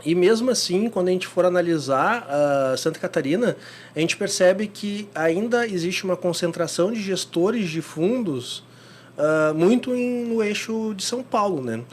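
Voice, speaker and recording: A male host who builds up to his questions slowly and informally, with plenty of fillers along the way. His voice is a bit high for a man. A faint hum runs under the recording. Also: lively intonation. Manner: informal and rambling, with long lead-ins before his questions. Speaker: podcast host, interviewer. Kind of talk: casual interview questions.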